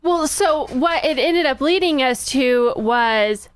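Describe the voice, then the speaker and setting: A woman's voice: sits high, lively intonation, slow pace, no room sound. A woman co-hosting a podcast in casual, chatty conversation. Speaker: podcast co-host. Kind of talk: casual chat.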